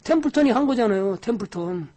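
A woman lecturing on stock investing in a lively way, firing off rhetorical questions to her audience. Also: fairly high pitch, fast talker.

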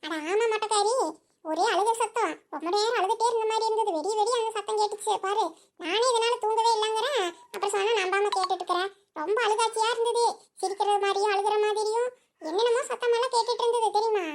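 Brief: a woman doing a squeaky, rapid-fire cartoon village gossip, nosy and insistent. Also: steady tone. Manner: breathless rapid gossiping, chuckling asides. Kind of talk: cartoon voice acting.

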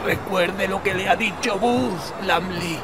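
Man playing a grave, high-pitched, slow-talking local. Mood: wary. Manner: grave, deliberate, cautioning. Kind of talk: Spanish-language audio drama acting. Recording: very loud wind and outdoor ambience behind.

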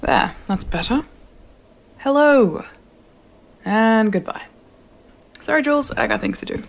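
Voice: mid-range voice, animated, measured pace, gravelly, a little hiss or hum. A performer playing Armani, a blunt, no-nonsense young engineer. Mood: curt. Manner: curt, dry, bossy.

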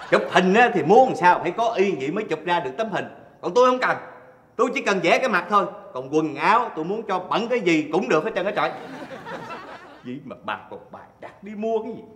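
Fast-talking older painter husband, high-ish voice, southern vietnamese accent, defensive, stage hall echo. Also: male voice, pushed and bright, exaggerated voice. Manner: fast, whiny, protesting. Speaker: comic stage actor. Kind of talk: stage comedy sketch. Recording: roomy stage hall, faint noise.

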